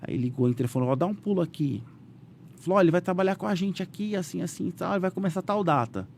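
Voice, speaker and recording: This man talks fast in a creaky voice over a faint hiss or hum. He's a businessman with a Brazilian Portuguese accent, a guest animatedly recounting his story in a casual interview, acting out quotes in a raised pitch and dropping "né?" again and again.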